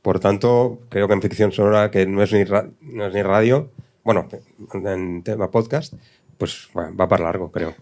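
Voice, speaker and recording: He is a man with a fairly low voice. He contributes to an informal panel in terse, hesitant phrases. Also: moderate pace, a little mellow.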